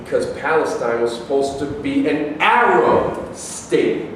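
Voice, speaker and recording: A man's voice: fairly high pitch, lively intonation, measured pace. A man acting in a staged reading as an aggrieved, accusing Arab man, arguing formally and rhetorically. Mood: insistent. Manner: argumentative, rhetorical, formal wording. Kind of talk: staged play reading, declaimed debate dialogue. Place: live staged reading in a reverberant room, distant microphone. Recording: echoey hall from far off, faint noise.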